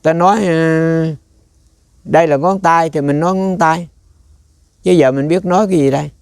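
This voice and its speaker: A man's voice: a little high, fairly even intonation, normal speed, creaky, darkish tone, clean tone, no echo, clean studio sound. A man giving a rambling, conversational dharma talk as a Buddhist monk, often turning to quiz his listeners.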